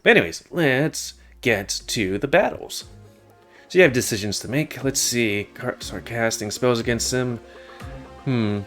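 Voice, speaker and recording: A man's voice: medium pitch, measured pace, a bit bright. A man giving casual, rambling and crude commentary while playing a video game. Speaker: gaming YouTuber. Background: game music.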